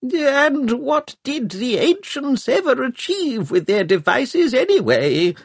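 A man voicing a fussy old male scholar who whines in a high, quavering voice. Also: big pitch swings, slow, vocal fry, husky, no echo, exaggerated voice. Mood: whining.

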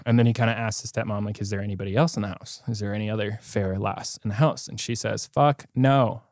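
A man with a fairly low voice tells a story as a podcast co-host. He is informal and comedic and swears freely. The sound is dry, with very little room in it. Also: steady tone, quick pace, darkish tone, dry recording. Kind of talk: casual comedic storytelling retelling a fairy tale.

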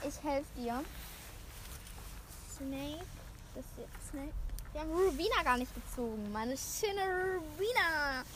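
High-voiced playful young woman chatting. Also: expressive, slow, pauses often, fairly bright tone, poor audio. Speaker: co-host of a casual recording. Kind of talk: casual chat while playing a drawing game. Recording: home recording with clear background noise.

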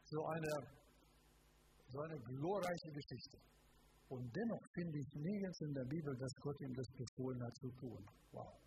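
A male preacher delivers an emphatic sermon and keeps putting direct questions to his congregation. His speaking voice sits fairly high. The live recording carries clear background noise. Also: unhurried, warm tone, low-quality recording. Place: church service before a congregation.

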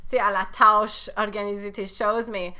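A woman's voice: medium pitch, little pitch movement, a little slow, sharp tone, smooth. A woman who hosts a podcast and works as an educator, asking reflective questions and encouraging her guest. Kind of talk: podcast interview.

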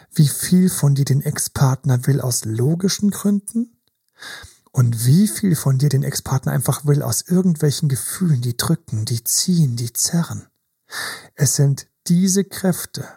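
A man's voice: mid-range voice, creaky, mellow, husky. A man talking as a relationship coach in casual podcast conversation, emphatic and repetitive, building vivid images.

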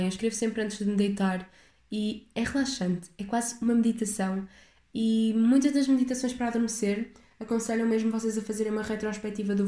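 In an echoey space, a young woman with a European Portuguese accent talks loosely through her solo podcast, her mid-range voice soft-edged and mellow. She reflects, rambles, and keeps looping back to start her thoughts over.

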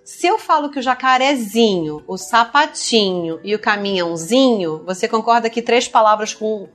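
A woman's voice: a little high, animated, normal speed, soft background music. A woman, a speech therapist explaining child language development in a casual interview, using vivid analogies.

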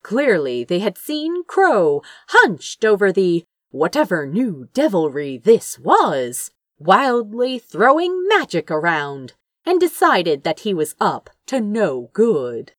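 Woman narrating fantasy, very animated delivery. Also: medium pitch, slow, no room sound, studio quality. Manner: theatrical, suspenseful storytelling. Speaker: fan fiction narrator. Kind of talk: dramatic scripted narration of a fantasy story.

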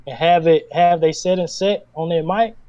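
Relaxed singer man, slightly high voice. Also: normal speed, highs cut off. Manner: laid-back, chatty, laughs often. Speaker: singer guest. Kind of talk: casual conversation.

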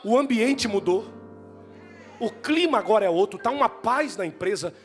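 A brisk company boss, as a male preacher acts him out, direct and approving. It is spoken in a high voice with faint music behind. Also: expressive. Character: company boss, older man, pleased.

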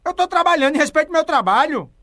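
Homem nordestino passando trote, voz aguda e brilhante, provocador. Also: male voice, very high-pitched, animated, a little fast, fairly bright tone, dry recording, clean studio sound. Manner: teasing, laughing, provoking. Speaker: prank caller host. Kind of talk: prank call.

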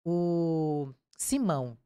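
A woman's voice: low voice, very slow, smooth, no room sound, studio quality. A woman with a Brazilian accent, a crime reporter telling her story in a casual interview and acting out what people said. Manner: animated, acts out quoted dialogue.

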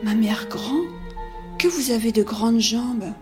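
A woman's voice: a little high, takes it slowly, over music. A woman voicing a sweet, trusting little girl in a red hood in a read-aloud fairy tale. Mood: wondering.

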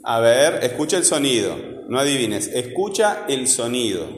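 A male teacher, patiently drilling a class and repeating phrases slowly. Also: mid-range voice, big pitch swings. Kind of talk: classroom lesson. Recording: echoey classroom with long reverb.

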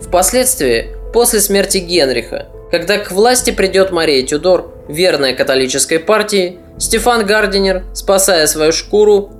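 A man narrating a history podcast in a steady, deliberate storytelling manner. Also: sits high.

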